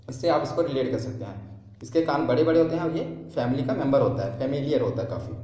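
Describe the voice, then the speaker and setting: A man's voice: a little high, dark tone. A man teaching an exam-prep lesson, who asks his own questions and repeats the key terms. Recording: very echoey room.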